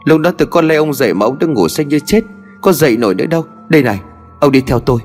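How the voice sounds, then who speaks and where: A man's voice: animated, quick pace, darkish tone, natural voice. A man voicing a frightened older village wife who speaks in a raised, anxious and urgent way, in a horror story with long reverb and faint music. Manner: higher, anxious, stammering, urgent.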